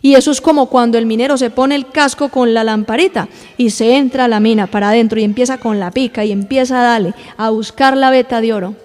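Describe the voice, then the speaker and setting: A woman's voice: on the high side, fairly even intonation, fast talker, few pauses, a little mellow. Woman preaching in an echoing church. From Colombia. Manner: addresses the congregation directly, acts out little scenes. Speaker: pastor. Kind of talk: sermon. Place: church hall.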